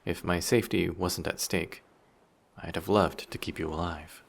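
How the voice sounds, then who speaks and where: A man playing a dangerous, flirty sea monster in an intimate audio drama, speaking in a measured, quietly menacing way with formal wording. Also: low voice, fairly even intonation, gravelly, a little hiss or hum. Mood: regretful, menacing. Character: dangerous, possessive, flirty male sea monster with fish tail.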